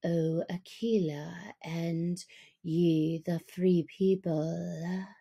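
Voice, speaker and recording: Slow, purring black panther acted by a woman. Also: fairly low pitch, fairly even intonation, gravelly, slightly rough, voice pushed down, full character voice. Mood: smooth, persuasive. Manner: soft, purring, deliberate, courtly. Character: cunning, smooth-spoken male black panther.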